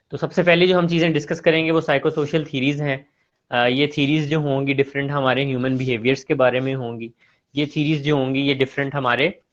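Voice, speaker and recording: A man's voice: medium pitch, lo-fi sound. A man giving an online class lecture, chiding and teasing his students.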